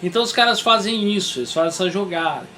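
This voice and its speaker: A man's voice: high voice, animated, fast talker, sharp tone, slight background noise. A man, the channel host, wrapping up the video for viewers with crude jokes.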